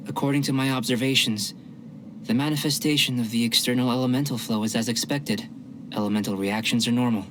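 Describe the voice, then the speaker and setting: A man voicing a calm young male alchemist in a game, measured, clinical and politely detached. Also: mid-range voice, noisy background, natural voice. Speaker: game character. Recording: game audio with music behind.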